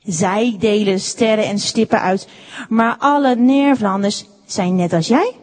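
A woman voicing a kind, fatherly old woodcarver with a deep, strong voice, talking calmly and gently. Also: measured pace, lightly acted. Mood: gentle, loving. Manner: calm, gentle, reassuring. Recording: echoey room with long reverb.

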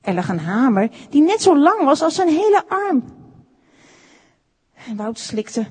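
A woman reading a children's story aloud, expressive and unhurried. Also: high-pitched. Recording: echoey room with long reverb.

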